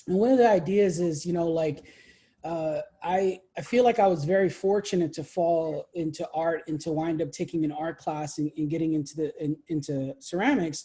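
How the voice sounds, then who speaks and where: A man's high, dark and mellow voice at a moderate pace, with ordinary pitch variation. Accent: Philadelphia. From Philadelphia, Kensington. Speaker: artist and professor. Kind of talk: interview conversation. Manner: halting, many fillers.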